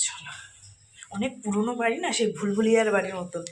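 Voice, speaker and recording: A middle-aged woman chatting to her viewers as she walks around an old house, sometimes lowering her voice. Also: quick pace, soft background music. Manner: chatty, addresses viewers directly; hushed in places so as not to wake sleepers. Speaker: vlogger. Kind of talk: casual walk-through vlog. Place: old house, rooftop and rooms.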